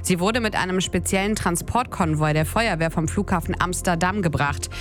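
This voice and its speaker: A woman anchoring a local radio newscast, reading items in an even, measured way. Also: on the low side, soft background music. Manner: even, measured news delivery. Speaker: news anchor. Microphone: studio mic.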